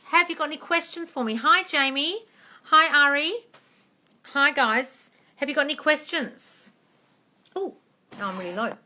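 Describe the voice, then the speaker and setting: A manifestation coach in her forties hosts a casual live Q&A, chatty and informal, calling her listeners "darling" and "guys." Her high-pitched voice is bright and forceful at normal speed with frequent pauses, recorded close on a phone.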